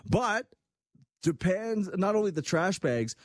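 A man's voice: high voice, slow pace, no room sound, clean studio sound. A man hosting a sports talk show, chatting casually and acting out the voices he quotes. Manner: animated, acts out quoted voices. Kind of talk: casual chat.

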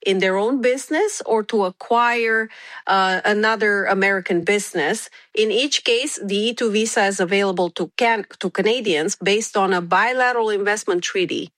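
A woman from Romania speaks as an immigration attorney. She answers questions in a measured, careful way, filling her pauses with "uh" and "um". Her voice is dry and close, with no room sound. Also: mid-range voice, fairly bright tone, dry recording. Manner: measured, with frequent filler pauses. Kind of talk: interview answers.

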